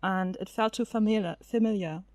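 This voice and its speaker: A woman whose first language is German, chatting as a podcast guest, laughing often and pausing with lots of fillers. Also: mid-range voice, darkish tone, dry recording. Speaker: featured guest. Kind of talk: casual podcast interview.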